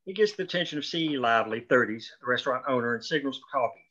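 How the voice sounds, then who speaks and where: A man with a bright, forward voice at a middling pitch reads stage directions as scripted narration. The recording is dull and lo-fi, like a remote table read. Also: expressive, quick pace. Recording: dull, lo-fi call audio.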